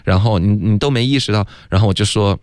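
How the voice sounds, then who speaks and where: A man teaching English on a radio lesson, explaining pronunciation slowly and laughing often. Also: fairly low pitch, a little mellow, clear, resonant tone, no room sound, studio quality.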